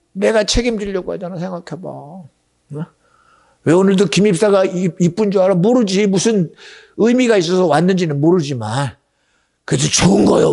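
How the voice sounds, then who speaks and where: Gravelly, animated Korean pastor preaching. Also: male voice, a little high. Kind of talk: sermon.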